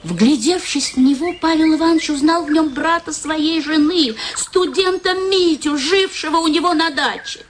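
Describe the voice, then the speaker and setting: An actress in a radio play, narrating and voicing a sly, playful wife with an expressive, theatrical manner. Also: female voice, high-pitched, moderate pace, hardly any pauses, a little hiss or hum, lightly acted. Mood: dramatic storytelling.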